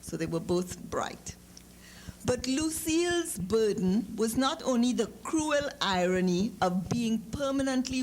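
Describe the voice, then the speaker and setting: A middle-aged woman with a Trinidadian accent reads a literary story to an audience, with informal asides and measured, deliberate phrasing. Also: a little high, a little mellow, rough recording. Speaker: author giving a public reading. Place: live lecture event. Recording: noticeable background noise, clicks.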